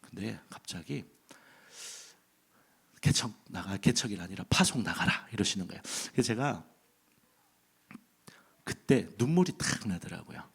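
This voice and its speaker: A man's voice: fairly low pitch, lively intonation, a little slow, gravelly, long pauses, slightly rough. A man from Busan preaching a sermon from the pulpit of a church sanctuary, speaking into a handheld mic and telling a humorous story with acted inner thoughts. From Busan, South Korea. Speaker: pastor.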